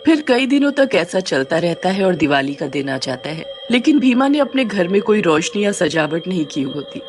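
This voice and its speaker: A male storyteller narrates a cartoon horror tale in a steady, scripted style. His voice sits high for a man. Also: moderate pace, faint music behind.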